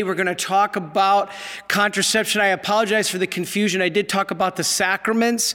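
Noticeable background noise sits behind a man's high-pitched voice. He talks at a fairly quick pace in a monotone, flat intonation. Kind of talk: religious teaching talk with prayer. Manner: earnest, persuasive.

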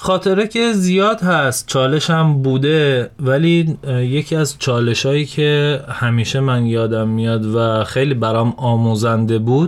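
A man with an unremarkable speaking voice talks at medium pitch and a fairly slow pace, his intonation lively. His loudness is very even, with hardly any pauses. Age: 30s. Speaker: civil engineer sharing his life story. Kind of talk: personal life story interview.

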